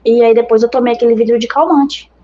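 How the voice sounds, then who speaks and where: A woman's voice: on the high side, fairly even intonation, fast, mellow, highs cut off. A woman missionary with a Brazilian accent giving an earnest, conversational religious testimony to her brothers and sisters in faith.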